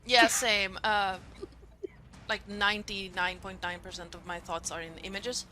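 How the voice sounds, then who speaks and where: A woman with German as her first language, running a tabletop game as game master, talking in halting bursts full of fillers. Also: mid-range voice, flat delivery, sharp tone, a little hiss or hum. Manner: halting, many fillers, quick laughs. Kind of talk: narrating a tabletop game and chatting.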